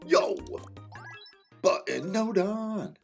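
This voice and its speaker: A man's voice: high-pitched, lively intonation, drawn-out words, creaky, soft background music, pitched above the performer's own voice, exaggerated voice. A man voicing a chummy, bragging machine helper from a video game, in brash, punchy exclamations. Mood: brash, friendly.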